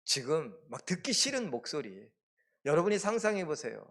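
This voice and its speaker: Emphatic male pastor, fairly high voice. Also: very animated, moderate pace, fairly bright tone. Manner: emphatic, asks the congregation rhetorical questions. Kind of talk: sermon. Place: church, Friday prayer meeting.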